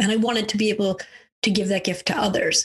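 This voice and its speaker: The speaker is a woman. Her voice sounds somewhat breathy. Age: 40s. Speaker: magazine editor and author. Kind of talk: interview.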